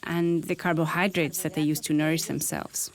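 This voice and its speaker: A woman's voice: deep voice, level tone, moderate pace. A woman giving an explanatory voice-over translation for a documentary interview.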